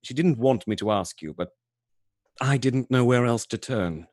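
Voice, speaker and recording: A man playing a worried, polite young gentleman in a live radio play, formal and delicate in manner. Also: mid-range voice, expressive, moderate pace, no room sound, studio quality, lightly acted. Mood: worried appeal.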